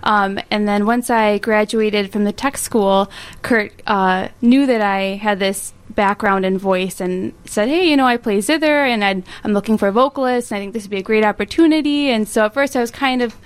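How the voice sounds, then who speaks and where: A soft-spoken woman, a singer, chatting modestly in a radio interview with a few ums. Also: mid-range voice, moderate pace, clear, resonant tone. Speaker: vocalist, guest. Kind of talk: casual radio interview talk. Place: radio studio.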